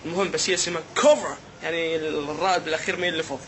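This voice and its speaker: A man's voice: fairly high pitch, steady tone, very fast, fairly bright tone, a little hiss or hum. A man with an Iraqi accent, doing a playful, joking vlog monologue to his viewers in a mock-puzzled way. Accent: Iraqi Arabic. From Iraq. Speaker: vlogger.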